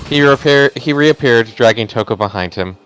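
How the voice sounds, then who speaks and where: A man's voice: mid-range voice, normal speed, a bit bright, soft background music, rough recording. A man talking and reading casually in a group game playthrough. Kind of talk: casual live-stream chat and reading aloud.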